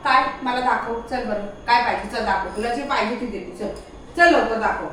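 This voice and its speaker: Home vlogger, woman, high voice, chatty and bossy with her pet, recorded from across a boomy kitchen. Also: brisk. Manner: alternately coaxing and scolding her dog in a lively, chatty way. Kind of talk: casual home vlog talking to her dog. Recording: very echoey room, voice from a distance, faint noise.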